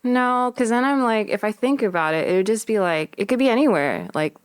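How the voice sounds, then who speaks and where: A woman's voice: on the high side, expressive, a little fast, clean tone. A young woman from Alabama, a podcast guest with a neutral accent, chatting with a lot of likes. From Alabama, United States. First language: Korean. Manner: chatty, storytelling with many likes. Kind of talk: casual chat.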